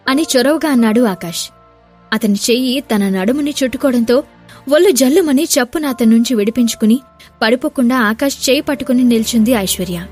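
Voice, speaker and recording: A woman narrating a dramatic audio story, voicing every character herself. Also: fairly high pitch. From Telugu-speaking India. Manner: voices all the characters herself, shouting for the angry ones.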